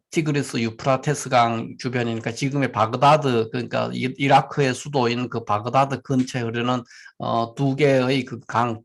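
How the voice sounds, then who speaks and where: A man's voice: mid-range voice, vocal fry. Man giving an explanatory lecture. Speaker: fortune-telling teacher.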